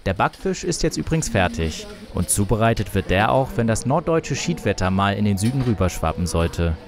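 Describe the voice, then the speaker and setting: A man's voice: on the low side, sing-song, fairly quick. A man reading scripted, light feature narration as a TV reporter. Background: music.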